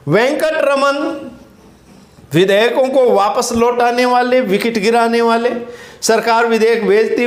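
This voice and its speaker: Male teacher, high voice, slow emphatic delivery, echoey room, drills key words. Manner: emphatic, repeats key words and quizzes students. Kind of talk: exam-prep lecture with memory tricks.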